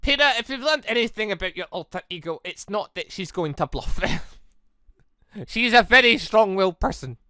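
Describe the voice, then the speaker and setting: Gaming host, bright voice, lively pitch swings, dry close sound, visual novel read-along. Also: moderate pace, dry recording. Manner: animated, acting out characters. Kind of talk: reading visual novel dialogue aloud with commentary.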